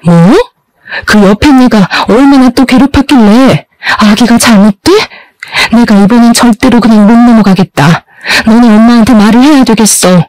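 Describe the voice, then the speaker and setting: A woman voicing a protective middle-aged aunt who talks briskly and indignantly in a storybook narration. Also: fairly high pitch, a little mellow, dry recording, natural voice, poor audio.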